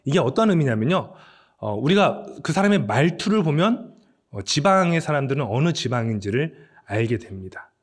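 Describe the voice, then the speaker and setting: Animated male pastor preaching a sermon. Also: fairly high pitch, normal speed. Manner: animated, dramatic, with acted quotes and rhetorical questions.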